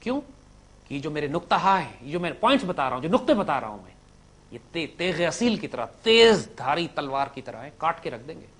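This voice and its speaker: A man with a Pakistani Urdu accent giving an impassioned religious lecture to young students, swinging between loud declaiming and low-voiced asides. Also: sing-song, brisk.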